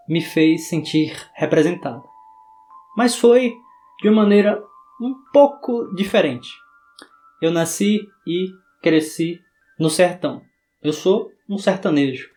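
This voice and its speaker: Young guy, high voice, bahian sertanejo accent, dramatic scripted narration, soft guitar behind. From interior of Bahia, Brazil. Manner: dramatic, theatrical delivery. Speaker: book vlogger. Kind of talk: scripted video essay narration.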